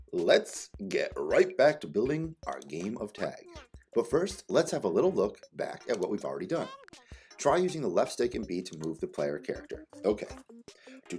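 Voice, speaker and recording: Man, tutorial read-aloud, playful teacher, exclamatory, swinging intonation, casual asides, soft background music. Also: lowish voice. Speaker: teacher reading game directions aloud.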